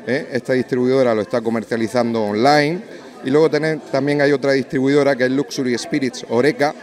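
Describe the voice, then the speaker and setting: Man pitching his product, "eh" fillers. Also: steady tone, brisk, a little mellow. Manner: fluent sales pitch with many "eh" fillers. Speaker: drinks company representative. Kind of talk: event interview. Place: busy restaurant event indoors. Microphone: handheld interviewer mic.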